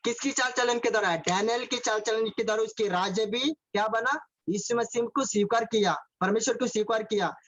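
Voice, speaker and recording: A man's voice: high voice, fairly quick, a bit bright. A man preaching a sermon over a video call, repeating phrases, asking his listeners questions and mixing in English words. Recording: dull lo-fi call audio.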